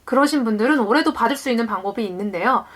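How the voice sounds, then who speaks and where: A young woman in her late twenties explains things to her viewers in a friendly vlog. Her voice sits high and moves a lot, rising and falling as she walks through each point. She often asks a question and then answers it herself. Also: expressive, very fast. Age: late 20s. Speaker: parenting vlogger.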